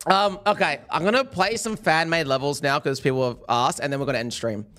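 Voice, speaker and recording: A young man streaming a game live, excitable and worn-voiced, swinging from mumbles to yells. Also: fairly high pitch, a little fast. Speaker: gaming streamer. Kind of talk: live-streamed gameplay chat.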